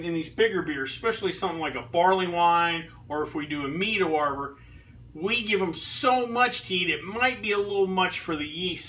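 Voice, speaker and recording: A man in his thirties reviewing beer in a relaxed, rambling way, with lots of ums and restarts, filmed in his home kitchen. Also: sits high, recorded from a distance, low-quality recording. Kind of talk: casual beer review vlog. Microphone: fixed camera a few feet away.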